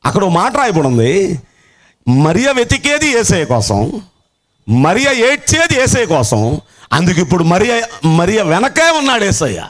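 A man's voice: high-pitched, huge pitch swings, normal speed, pauses often, fairly bright tone. A man preaching an Easter sermon to a seated congregation in church. He asks rhetorical questions and swings his voice dramatically as he quotes scripture figures. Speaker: pastor.

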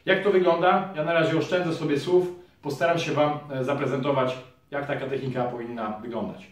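A man's voice: medium pitch, fairly quick, far from the mic. Man explaining an exercise in an echoey room. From Poland. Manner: calm, explanatory, addresses viewers directly. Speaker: physiotherapist and trainer. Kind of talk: fitness tutorial to camera. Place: small room in front of a curtain. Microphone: camera mic from across the room.

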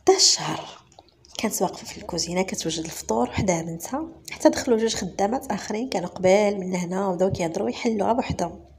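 A woman narrates a scripted story in Moroccan Arabic at a very fast, steady pace. Her pitch sits in the middle range. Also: a little hiss or hum. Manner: rapid, even reading.

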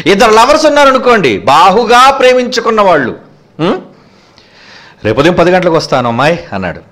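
A man with a Telugu accent preaching a sermon, asking rhetorical questions and acting out quoted speakers. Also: fairly high pitch. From India. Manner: animated, rhetorical questions, acts out quoted lovers.

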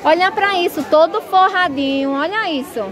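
Filming on her phone, a high-voiced woman vlogger hypes cheap clothes while walking excitedly through outdoor market stalls. She's gushing and chatty, keeps saying "minha gente," and talks at a moderate pace as the busy market crowd fills the background.

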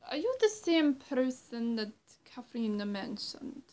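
Young woman playing a slow, high-voiced coy vampire. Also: big pitch swings, a little mellow. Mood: musing, friendly. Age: young adult. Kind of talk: roleplay addressed to the listener. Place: small bright bedroom, indoors. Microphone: camera mic at arm's length or closer.

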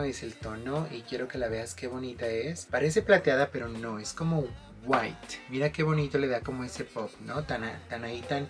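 A man talking casually through a makeup tutorial, chatty and affectionate, with faint music behind. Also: medium pitch. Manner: chatty, affectionate, mixes in English phrases. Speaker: makeup vlogger.

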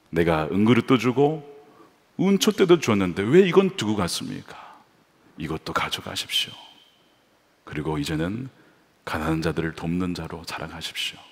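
A man voicing a gentle, merciful elderly bishop who speaks softly, slowly and tenderly. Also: mid-range voice, in a large hall.

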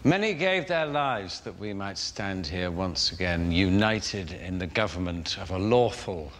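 An actor playing a polished, middle-aged senior Roman senator, giving ceremonial oratory with formal, stately phrasing in a screen drama. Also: male voice, low-pitched, expressive, measured pace, a bit bright. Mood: ceremonious, grand. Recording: echoing hall, clear background noise.

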